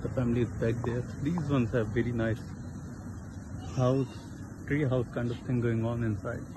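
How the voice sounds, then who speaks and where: A young man with a South Asian accent and Hindi-Urdu as his native language talks in a chatty, casual vlog style. His voice sits at a medium pitch. The recording is made outdoors on a phone, with clear background noise. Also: steady tone, moderate pace. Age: young adult. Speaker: vlogger. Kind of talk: casual zoo vlog chat. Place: outdoor zoo.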